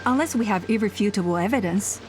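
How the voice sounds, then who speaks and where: Game tribal elder for a woman: cautious, authoritative, mid-pitched, deliberate counsel. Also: darkish tone, a little hiss or hum, close to an everyday voice. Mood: firm, cautioning. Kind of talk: video game voice acting. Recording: faint music behind the voice.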